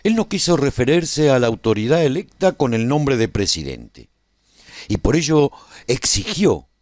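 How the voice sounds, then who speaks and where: Animated, expressive male storyteller. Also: medium pitch, dry recording, studio quality. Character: male survivor recounting the rebuilding of a post-apocalyptic world. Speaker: narrator of a radio serial. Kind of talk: scripted dramatic first-person narration.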